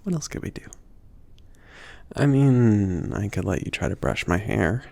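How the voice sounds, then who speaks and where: A man playing a laid-back, obliging mage shopkeeper in a soft, intimate ASMR roleplay, hesitant and rambling, husky and often near a whisper. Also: lowish voice, animated, a little slow, dry recording. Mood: shy, obliging. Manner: hesitant, rambling, trailing off with small chuckles.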